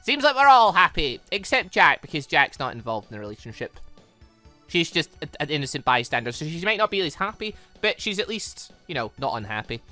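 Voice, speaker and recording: A woman's voice: low-pitched, bright, forceful tone. A woman giving casual, chatty let's-play commentary on a visual novel, rambling through giggly asides. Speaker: gaming video host.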